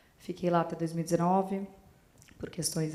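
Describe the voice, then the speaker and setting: A woman's voice at a fairly low pitch. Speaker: finance executive, panelist. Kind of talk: panel talk. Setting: event with audience.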